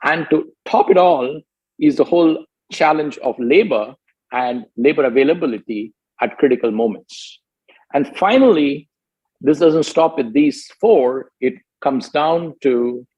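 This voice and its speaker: A man giving a business presentation as a company executive, emphatic and deliberate, point by point. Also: mid-range voice, darkish tone, slightly rough, dull audio.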